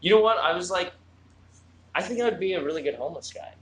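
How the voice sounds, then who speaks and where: A comedian chatting casually in a laid-back way, often trailing off. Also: male voice, high-pitched, expressive, fast talker, a bit bright. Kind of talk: casual chat. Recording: roomy echo.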